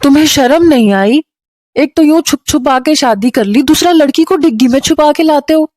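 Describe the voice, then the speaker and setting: A woman voicing a soft-hearted middle-aged mother with a motherly, reproachful manner. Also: sits high, normal speed, no room sound, clean studio sound, voice pushed up, close to an everyday voice. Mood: scolding.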